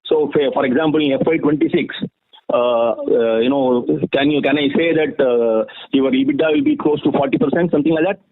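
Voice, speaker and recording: A man asking questions as a caller on an earnings call, halting but persistent. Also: on the high side, no echo. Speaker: investor or analyst caller. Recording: tinny, dry phone line.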